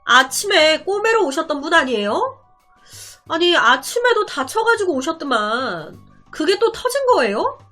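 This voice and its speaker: A woman's voice: high voice, big pitch swings, a little slow, bright, forceful tone, soft background music, pitched above the performer's own voice, heavily acted. A woman voicing a puzzled emergency room doctor. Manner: surprised, suspicious questioning.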